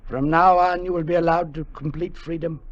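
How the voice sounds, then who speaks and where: An actor playing a kindly, grave old tribal elder, speaking formally and solemnly in 1940s radio style. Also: male voice, fairly high pitch, fairly even intonation, lightly acted. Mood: grave, courteous. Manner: formal, measured, solemn speech. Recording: muffled vintage 1940s radio recording.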